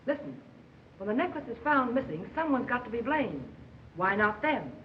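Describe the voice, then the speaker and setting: High-voiced schemer, early talkie film. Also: female voice, very animated, normal speed. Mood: sly, plotting. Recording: muffled, hissy 1920s film soundtrack.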